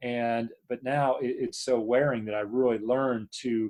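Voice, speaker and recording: A man with an American accent, medium in pitch, at a fairly slow pace with fairly even intonation. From United States. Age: 40s. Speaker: business leader and keynote speaker. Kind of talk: podcast interview. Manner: halting, many fillers and repeats.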